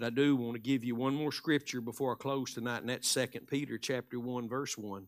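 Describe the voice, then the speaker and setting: With an East Texas accent, a man talks fairly quickly in a medium-pitched, flat monotone. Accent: East Texas Southern US. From Northeast Texas. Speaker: preacher. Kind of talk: sermon. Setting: church.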